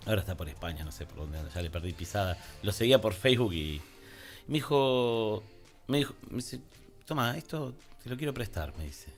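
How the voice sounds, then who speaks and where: Argentine male co-host, low voice, rambling informal anecdotes with faint music underneath. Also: expressive, brisk. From Punta Alta, Argentina. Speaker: radio co-host. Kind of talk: casual anecdotal chat.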